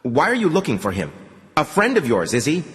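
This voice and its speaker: A man voicing a wary, cynical wounded prisoner who talks scornfully and haltingly, with groans. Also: mid-range voice, huge pitch swings, fairly bright tone, big-room sound, voice pushed up.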